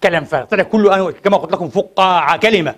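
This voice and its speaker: A man preaching a Friday sermon in a mosque, speaking. His voice sits very high and races along at a breakneck clip. He presses the congregation with impassioned rhetorical questions. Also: racing, a bit bright.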